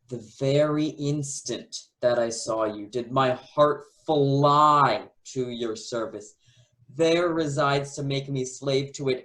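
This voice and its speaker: Slow-spoken lovestruck young prince played by a man. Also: mid-range voice, fairly bright tone, poor audio. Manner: courtly declamatory verse delivery. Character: devoted lovestruck young prince, humble and courtly. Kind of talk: Shakespeare radio-play acting.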